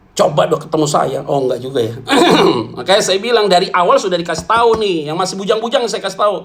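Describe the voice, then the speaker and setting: High-voiced blunt joking pastor, a man. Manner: blunt, joking, colloquial, calls listeners "saudara". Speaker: pastor answering questions. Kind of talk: church Q&A talk.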